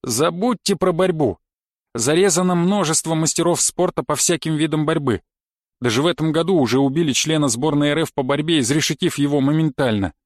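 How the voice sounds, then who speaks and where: A man's voice: fairly high pitch, a little fast, dry recording, clean studio sound, close to an everyday voice. A man voicing a pedantic male knife-fighting coach who lectures dryly and thoroughly in an audiobook. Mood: lecturing. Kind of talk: audiobook character reading.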